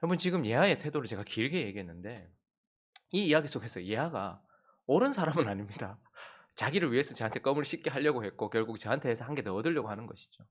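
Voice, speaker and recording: A male pastor preaching at an early-morning service, his pitch rising and falling widely as he tells an anecdote. His voice sits in a middle range, and he talks straight to the congregation. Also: fast. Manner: animated storytelling, addresses the congregation. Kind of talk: anecdotal dawn-service sermon.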